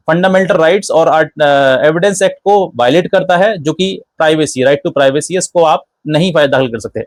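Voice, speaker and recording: High-voiced man explaining the law. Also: no room sound. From India. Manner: explanatory, repetitive rephrasing, mixes English legal terms into Hindi. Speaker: legal advice channel host. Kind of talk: informal legal explainer to viewers.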